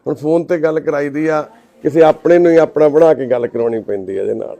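A man with a Punjabi accent, a charity volunteer making a soft, pleading appeal to the camera. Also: a little high, quick pace, gravelly.

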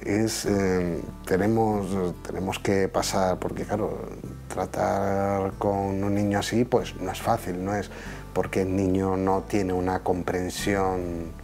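A father from Spain speaking haltingly about his son, searching for words. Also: deep voice, little pitch movement, a little mellow, faint music behind. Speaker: interviewee, father. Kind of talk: personal testimony.

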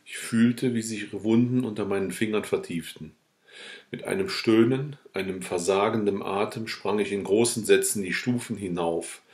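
Man, low voice, dramatic audiobook reading, theatrical, roomy echo. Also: moderate pace. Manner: theatrical, swings from hushed to loud outbursts. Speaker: audiobook reader.

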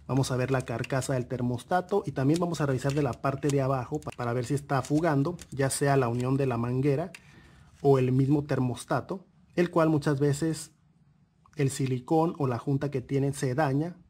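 A man calmly walking through a car engine repair lesson, pointing out parts one by one and repeating key points. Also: medium pitch, normal speed, breathy edge. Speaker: auto mechanic instructor. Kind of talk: explanatory car repair tutorial voice-over.

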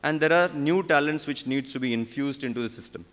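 A man in his forties with an Indian English accent, speaking at a conference podium in a halting way, with many fillers and restarts. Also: mid-range voice, fairly bright tone. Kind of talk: conference panel talk. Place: large conference hall on stage. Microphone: podium microphone. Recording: long hall reverb.

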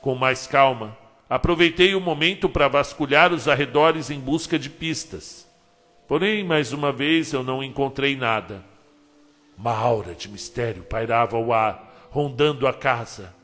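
A man reading a short story aloud as narrator, dramatic and emotional, with long pauses. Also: mid-range voice. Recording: long hall reverb, soft music behind. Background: soft background music.

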